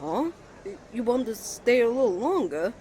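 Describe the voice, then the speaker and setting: A man's voice: extremely high pitch, big pitch swings, moderate pace, a little mellow, slight background noise, voice pushed up. A man playing a hot-tempered, easily flustered young twin brother in a romantic roleplay, stammering and indignant as he bickers. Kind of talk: romantic ASMR roleplay acting.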